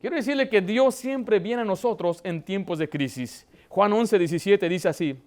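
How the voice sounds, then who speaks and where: High-voiced man preaching a sermon. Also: normal speed, darkish tone. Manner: preaching with rising emotion, asking the congregation questions. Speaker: pastor.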